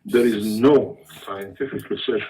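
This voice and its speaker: A man speaking to a workshop through a phone handset while his signal breaks up. He talks haltingly, with restarts and stretched phrases. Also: on the low side, darkish tone. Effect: signal breaking up on a remote call. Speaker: foundation head addressing a workshop. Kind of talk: speech over a call. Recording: distant muffled dropping call audio.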